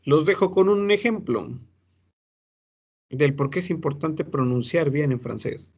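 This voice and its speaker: A man teaching French pronunciation to Spanish speakers, slowly and patiently repeating each sound for his students. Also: fairly high pitch, darkish tone, slightly rough, lo-fi sound. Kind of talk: recorded class lesson.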